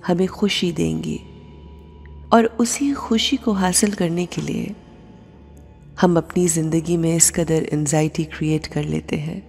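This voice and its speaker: A woman with a low, mellow, breathy voice guides a meditation at a very slow, measured pace. She speaks in short phrases with long pauses, in a soft tone wrapped in long reverb. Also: fairly even intonation. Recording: long reverb with music bed. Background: music.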